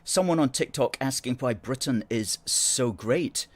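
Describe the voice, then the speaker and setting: A man's voice: mid-range voice, animated, a little slow. A middle-aged man with an educated Scottish accent, hosting a livestream and replying to viewer comments in a chatty, sardonic way. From born in Hong Kong. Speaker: host.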